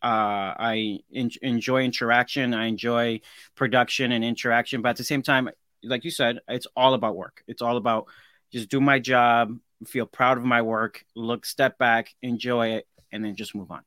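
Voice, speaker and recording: A man's voice: mid-range voice, steady tone, normal speed, pushed and bright, clear, resonant tone, no room sound. A man in his forties, a guest craftsman in a casual interview, talking earnestly and reflectively and often restarting his sentences. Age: 40s.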